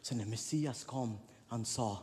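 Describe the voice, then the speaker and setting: A middle-aged man preaching a sermon as a pastor, moving between soft, low passages and loud, fervent peaks. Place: church hall. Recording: echoey hall, slightly husky.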